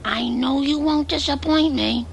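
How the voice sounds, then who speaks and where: A woman voicing an exasperated, raspy-voiced suburban mother in an animated sitcom, scolding sternly and emphatically. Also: high voice, measured pace, background noise. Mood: firm. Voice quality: gravelly, raspy.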